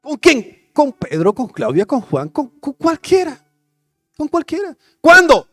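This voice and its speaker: High-voiced male pastor, impassioned sermon, dry close mic, faint music bed. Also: wildly swooping pitch, measured pace, no room sound. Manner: impassioned preaching, swinging from loud declarations to hushed prayerful asides.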